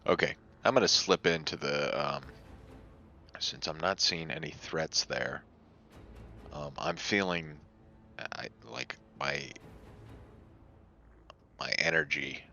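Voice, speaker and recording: A man playing a tabletop game, chatting casually and a little haltingly about his move, on a dull lo-fi recording. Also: very deep voice, sharp tone, faint music behind.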